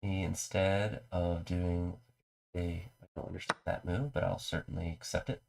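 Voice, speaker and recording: Streamer, male, low gravelly voice, stuffy from a cold, calmly narrates his moves. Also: normal speed. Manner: low-key, talks through his moves. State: mild cold, congested. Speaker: live streamer. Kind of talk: casual chess commentary.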